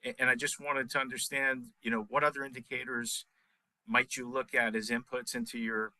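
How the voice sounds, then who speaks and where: A male financial analyst puts questions on an earnings call. His voice is very bright and sharp, in a dry acoustic. His phrasing is halting, with small stammered restarts. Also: mid-range voice, little pitch movement, no echo, poor audio.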